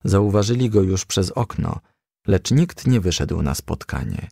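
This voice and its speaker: A man reading a children's audiobook as expressive storybook narration. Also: low voice, unhurried, vocal fry, breathy edge, dry recording, studio quality. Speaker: audiobook reader.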